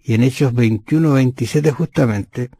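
A man's voice: mid-range voice, moderate pace, dark tone, no room sound. A man co-hosting a conversational Bible lesson, thinking aloud with frequent hesitations. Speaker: Bible study co-host.

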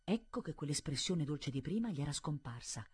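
Husky woman reading an audiobook. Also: sits low, fairly quick. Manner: expressive, dramatic. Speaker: audiobook reader. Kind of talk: scripted literary audiobook reading.

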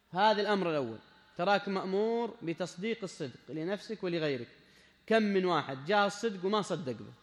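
A man's voice: high-pitched, a bit bright, long reverb tail. A man giving a religious lesson, emphatic and repeating his key phrases as he speaks straight to the listener. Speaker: Islamic scholar giving a lesson.

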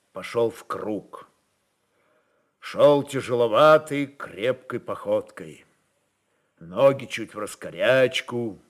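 A man narrating literary fiction for radio in an expressive, deliberate dramatic style. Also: mid-range voice.

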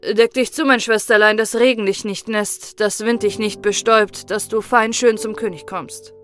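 An earnest young coachman brother from a fairy-tale audiobook, read by a woman. He pleads tenderly with his sister in a slightly lower, fuller voice. Soft music sits faintly behind. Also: fairly even intonation, normal speed, natural voice.

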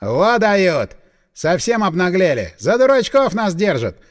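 A man voicing a gruff, mocking army commander who is suspicious and barks orders. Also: sits high, sing-song, unhurried, in a large hall. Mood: scornful. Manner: sneering, barking orders.

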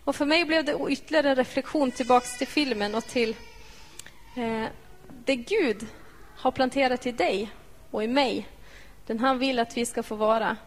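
A woman with a somewhat high voice gives a gentle, reflective devotional talk to a church congregation. She draws listeners in with questions. Her voice rings out with a long echo in the hall. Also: a little hiss or hum. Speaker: devotional speaker.

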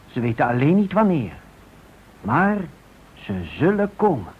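A man narrating a radio drama solemnly, in deliberate, dramatic short phrases. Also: on the high side, big pitch swings, slight background noise. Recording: dull radio recording.

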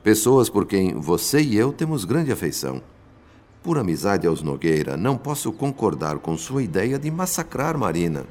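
Radio drama narrator: grave, compassionate Brazilian spirit, deep voice, expressive swings, measured and formal, in long reverb. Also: male voice. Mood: firm, conciliatory. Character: grave, compassionate male spirit recounting events, pleading for calm. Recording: long reverb, music behind.

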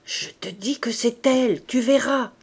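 A woman putting on a loud, gloating old schemer. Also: on the high side, measured pace, slightly rough, voice pushed up. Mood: insistent. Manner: agitated, commanding, raised voice. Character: scheming poor older man, loud and domineering.

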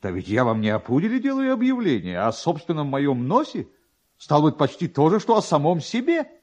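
Man playing indignant pompous official, hurried and flustered, lively lowered pitch, radio storybook reading, muffled old recording. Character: agitated, self-important male government official, desperately indignant. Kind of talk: dramatised literary reading. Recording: dull, lo-fi archive radio recording.

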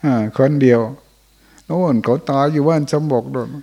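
A man's voice: mid-range voice, moderate pace, creaky, warm tone, lo-fi sound. An older man, a Buddhist monk, giving an informal dharma talk in a monastery hall, telling folksy stories and often chuckling.

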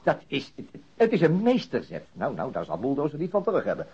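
A slightly muffled radio play recording of a wry detective with a fairly high voice. He talks fast and with animation, easily amused by what he hears. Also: heavy background noise. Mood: admiring. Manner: animated, quick, conversational. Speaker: radio drama actor. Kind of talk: radio drama dialogue. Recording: dull lo-fi old radio recording.

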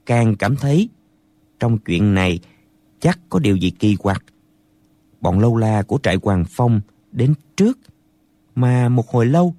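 A man narrating a martial arts novel as an audiobook in an expressive storytelling manner, close to the mic. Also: fairly low pitch, no room sound.

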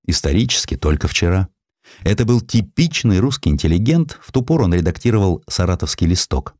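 Male audiobook narrator, deep register, dramatic and varied intonation, deliberate pauses, dry close-miked studio sound. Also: very animated, a little mellow, no room sound. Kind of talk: dramatic scripted narration of a historical sketch.

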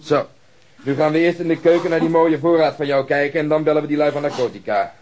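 An actor playing a brutal, sarcastic police detective who bullies a suspect in a radio drama. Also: male voice, fairly high pitch, fairly even intonation, fast talker, a little mellow, a little hiss or hum, lightly acted. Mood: contemptuous. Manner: threatening, sneering interrogation.

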